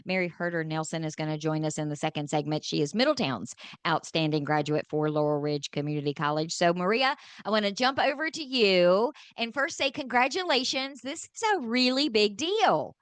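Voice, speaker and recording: A woman's voice: on the low side, a little fast, hardly any pauses, smooth, no room sound. A woman hosting a radio show, chatting with a guest over a video call and asking friendly questions.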